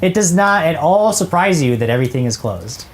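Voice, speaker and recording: Deep-voiced woman running a tabletop game. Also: sing-song, a little fast, slight background noise. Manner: laid-back, giggly narration with frequent fillers. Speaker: game master.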